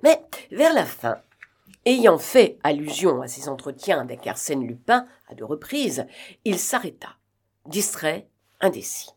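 A woman reading a novel aloud as an audiobook narrator, steady, with occasional small fillers. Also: sits low, unhurried, husky. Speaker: audiobook reader.

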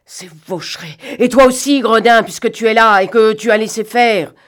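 Woman doing Lupin, the fiery gentleman burglar. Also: lowish voice, a little slow. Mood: angry. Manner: sharp, scolding outbursts. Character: commanding gentleman burglar, man, fiery and exasperated.

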